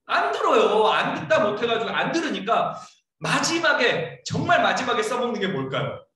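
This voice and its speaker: High, lively pastor in an echoey church. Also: male voice, moderate pace. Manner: keeps asking the congregation questions; acts out scolding lines in a raised voice. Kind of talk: sermon. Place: church sanctuary. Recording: echoey church hall, mic far off.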